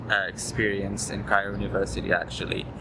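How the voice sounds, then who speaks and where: A man is speaking. He has a slight Arabic accent. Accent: slight Arabic accent, non-native English. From Syria. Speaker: refugee student. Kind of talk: interview testimony. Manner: hesitant, with fillers and restarts.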